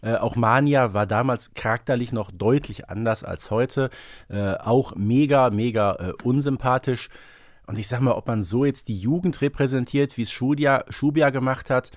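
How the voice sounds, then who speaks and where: Casting: male podcast co-host, mid-range voice, thinking aloud in relaxed fan discussion, no room echo. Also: medium pitch, moderate pace, clean studio sound. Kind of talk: casual fan discussion, analytical chat.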